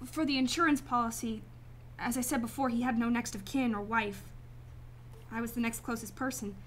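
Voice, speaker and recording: A woman playing a guarded, emotionally detached client in a radio drama, speaking formally and deliberately. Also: on the high side, steady tone, a little hiss or hum, lightly acted. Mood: defensive, cool. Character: cool, detached female client, guarded murder victim's sister.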